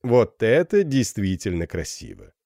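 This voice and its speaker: A man voicing a shy, tender young Gypsy girl in love, speaking softly and pleadingly in a raised voice. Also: fairly low pitch, very animated, unhurried, gravelly, no echo, studio quality, exaggerated voice. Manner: soft, pleading, lightly raised voice.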